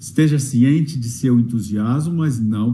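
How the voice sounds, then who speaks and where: A man speaks very slowly at a medium pitch, with ordinary pitch variation and a dark, mellow tone. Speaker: sales trainer. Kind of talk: webinar lecture. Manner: loud.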